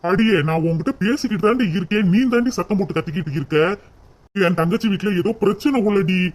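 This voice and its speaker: A man's voice: high-pitched, fast talker, natural voice. A man doing a pleading cartoon husband. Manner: pleading, reproachful, emotional. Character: pleading husband defending his sister. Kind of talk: cartoon voice acting.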